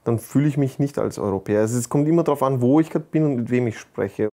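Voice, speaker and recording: A man's voice: medium pitch, quick pace, dark tone. A young man chatting casually in an interview, explaining himself through little examples. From Austria. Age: young adult. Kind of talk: casual chat, telling by example.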